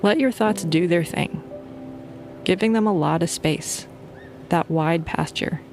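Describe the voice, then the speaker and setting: A woman's voice: fairly low pitch, measured pace, over music. A woman leading a guided sleep meditation in an informal, playful and soothing way.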